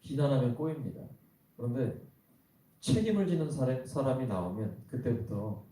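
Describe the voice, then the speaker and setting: A man's voice: mid-range voice, expressive, normal speed, warm tone. A man pastor preaching a sermon in a church worship hall, talking conversationally and asking the congregation rhetorical questions. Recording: very echoey hall, voice from some distance.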